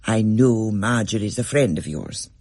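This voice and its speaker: Reader as a gentle teacher: husky, quiet, grave. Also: mid-range voice, lively intonation, unhurried, no room sound, studio quality. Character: grave, gentle woman schoolteacher.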